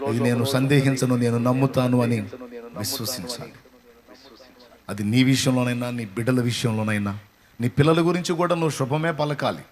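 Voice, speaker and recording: A male pastor preaching a sermon with impassioned, repetitive exhortation that swells into loud declarations. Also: mid-range voice, fairly quick.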